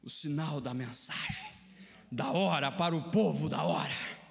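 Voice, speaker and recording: A man with a Brazilian Portuguese accent preaching a sermon in a church, swinging between shouted climaxes and low, hushed passages in a repetitive preaching cadence. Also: a little slow, gravelly, big-room sound. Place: church sanctuary.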